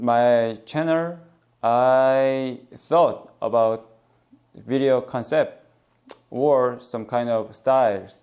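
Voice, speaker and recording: Very slow in pace, a man with a medium pitch speaks in a Korean accent. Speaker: leathercraft youtuber. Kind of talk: casual vlog talk to camera. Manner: halting, non-fluent English.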